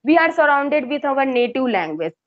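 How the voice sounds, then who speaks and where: A higher-pitched woman from India speaks English with an Indian accent, since Hindi is her first language. She keeps pausing with "uh" and "you know" and restarting her sentences. The sound is dull and lo-fi, like a call. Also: big pitch swings. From Uttar Pradesh, India. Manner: hesitant, many fillers and restarts. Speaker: English tutor. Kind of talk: casual English conversation practice.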